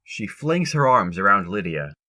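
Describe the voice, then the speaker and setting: Low-pitched audio drama narrator. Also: big pitch swings, normal speed, bright, forceful tone.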